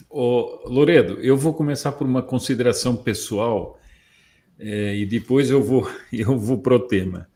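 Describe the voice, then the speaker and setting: A man from Portugal hosting a conversation, speaking in a mid-range voice. His delivery is measured and reflective, with a soft laugh now and then. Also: mid-range voice. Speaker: host. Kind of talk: conversational discussion.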